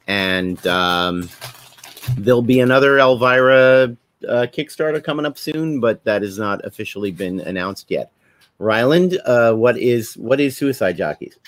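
A man's voice: medium pitch, expressive, unhurried, fairly bright tone. A man hosting a casual podcast over a video call, chatting with guests in a wry, lightly joking way. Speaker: podcast host. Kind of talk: casual chat, introducing guests.

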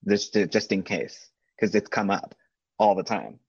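A man's voice: fairly low pitch, sing-song, a little slow, husky, no room sound. A man co-hosting a podcast in casual chat, talking freely and laughing often, heard on slightly dull lo-fi audio. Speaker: podcast co-host.

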